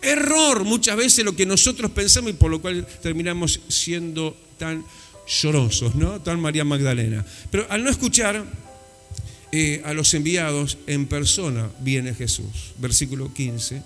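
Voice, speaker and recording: Lively Uruguayan pastor preaching. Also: male voice, a little high, normal speed, long reverb tail, soft background music. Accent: Rioplatense Spanish. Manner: lively, conversational preaching with rising emphatic peaks. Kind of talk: sermon. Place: church.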